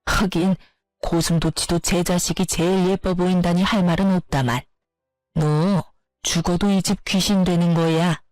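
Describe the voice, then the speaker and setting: A bullying older mother-in-law, heavy with contempt, scolds in a low, dragging tone, as a woman storyteller puts her on. The sound is dry and close. Faint music plays underneath. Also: darkish tone, no echo, lightly acted.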